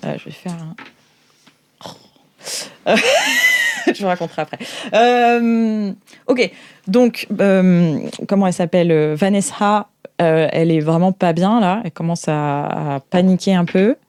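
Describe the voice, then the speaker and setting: A woman's voice: on the low side, measured pace, dark tone, clean tone. A woman game-mastering an improvised tabletop role-playing session, narrating informally and often rephrasing as she goes.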